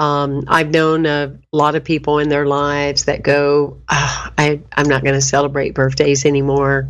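Speaking fairly slowly, a woman uses a very deep, low pitch. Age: 50s. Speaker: radio show host and minister. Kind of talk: casual interview chat. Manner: animated.

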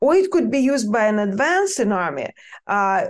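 A woman speaks with a non-native accent. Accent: foreign, non-Ukrainian accent in English. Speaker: war correspondent. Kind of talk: interview. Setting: call.

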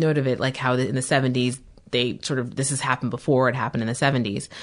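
In an American accent, a woman with a very deep, low pitch speaks at a very fast pace over a quiet background. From San Francisco, California. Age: 30s. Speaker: entertainment industry professional. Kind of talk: casual chat. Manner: halting.

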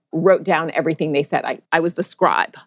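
A woman's fairly low-pitched voice, an ordinary speaking voice with ordinary pitch variation, on a very clean recording with a silent background. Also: dry, close sound with no echo. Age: 50s. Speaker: TV writer and producer. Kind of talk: interview conversation.

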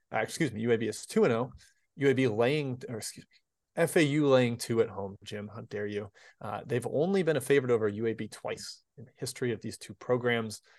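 At a fairly quick pace, a man with an unremarkable speaking voice talks at medium pitch over a quiet background. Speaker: podcast host. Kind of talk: casual sports betting chat. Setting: live show.

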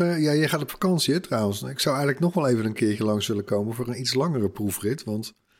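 A man at medium pitch talks at a very fast pace. He takes hardly any pauses. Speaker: tech podcast co-host. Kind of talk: casual chat. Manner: animated; halting.

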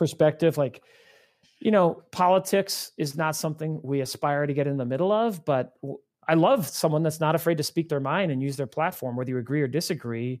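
With a slight Boston accent, a man speaks fairly quickly at a fairly high pitch and ordinary pitch variation on a very clean recording with a silent background. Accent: slight Boston twang. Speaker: media company founder. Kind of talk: interview.

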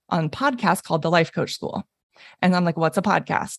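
A woman talks at a fairly quick pace with a somewhat breathy voice of medium pitch and ordinary variation. The sound is dry and close with no echo, on a very clean recording with a silent background. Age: 40s. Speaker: physician and coach. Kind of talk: interview. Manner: animated.

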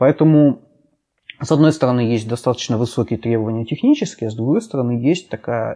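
Using a normal speaking voice, a man talks fairly quickly at a medium pitch with ordinary pitch variation. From Russia, Ivanovo region. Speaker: software tech lead. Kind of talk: interview.

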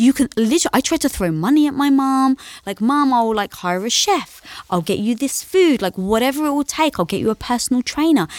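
A woman's high-pitched voice in an English accent, with very wide pitch swings at a fairly quick pace, over noticeable background noise with a dry, close sound and no echo. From London, England. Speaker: entrepreneur, podcast guest. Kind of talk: casual interview conversation.

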